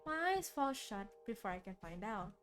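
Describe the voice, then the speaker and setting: A woman game streamer reading a visual novel aloud in an expressive, dramatic storytelling style. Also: mid-range voice, normal speed. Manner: expressive, dramatic read-aloud with casual asides. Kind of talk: soft storytelling narration. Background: game music.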